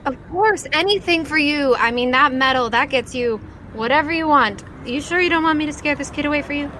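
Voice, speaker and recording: Woman playing a high-voiced water spirit bartender. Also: fairly quick, sharp tone, a little hiss or hum. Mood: obliging. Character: female water spirit bartender, obliging to winners, scornful of beggars.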